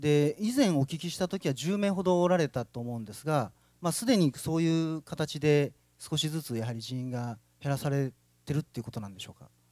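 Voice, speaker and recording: A man's fairly high, dark, mellow voice at a fairly quick pace, with lively intonation and big swings in loudness, in a dry sound with no echo and a quiet background. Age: 30s. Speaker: city council member. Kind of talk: committee questioning. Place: meeting room. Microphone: podium.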